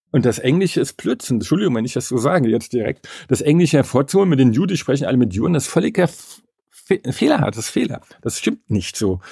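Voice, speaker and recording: A man's voice: mid-range voice, a little mellow, husky, no echo, studio quality. A man being interviewed as an etiquette expert, speaking in an opinionated, emphatic and rambling way. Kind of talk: conversational interview.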